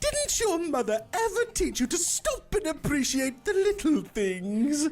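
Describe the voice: A put-on character voice with a high pitch comes through. It moves at a fairly slow pace with very wide pitch swings.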